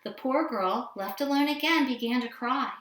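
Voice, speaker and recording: A woman reading a fairy tale aloud to children in an expressive storytelling style. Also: sits high, normal speed. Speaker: storybook reader. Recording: roomy indoor echo.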